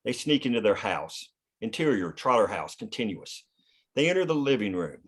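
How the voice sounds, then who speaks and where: A man's voice: fairly low pitch, very animated, moderate pace, husky. A man reading scripted stage directions as the narrator of a screenplay table read.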